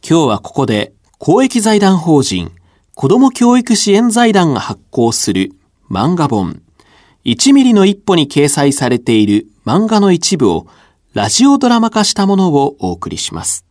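A man announcing in a scripted radio program, reading in a clear, measured way. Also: on the high side, huge pitch swings, darkish tone, dry recording, studio quality.

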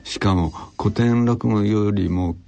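A middle-aged man, a rakugo performer and co-host, explaining things in a relaxed radio chat and chuckling now and then. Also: fairly low pitch, slow pace, vocal fry. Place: radio studio.

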